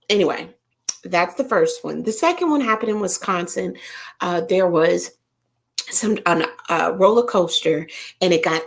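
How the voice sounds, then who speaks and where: Animated Southern woman telling stories. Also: fairly low pitch, takes it slowly, creaky, pauses often. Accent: Southern American. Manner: animated storyteller, talks straight to viewers, frequent fillers. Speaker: livestream host chatting with viewers. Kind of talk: casual chat.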